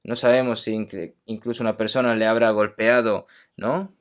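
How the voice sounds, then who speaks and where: A man's voice: fairly low pitch, flat delivery, normal speed, clean tone. A man from Korea preaching a sermon emphatically, often checking in with his listeners.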